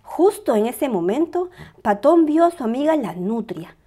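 A woman reading a picture book aloud as a storyteller, with expressive, dramatized narration for small children. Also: sits high, normal speed.

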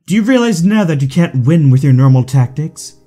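A man's voice: a little high, expressive, a little fast, dark tone, faint music behind, lightly acted. A man playing a suave, theatrical villain in an audio drama, taunting his rival with mock affection. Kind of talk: fan audio drama acting.

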